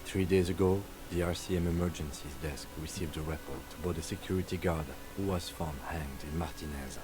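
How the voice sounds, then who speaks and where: A man voicing a calm, methodical police lieutenant who briefs his partner in a measured, matter-of-fact way. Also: deep voice, over music, lightly acted.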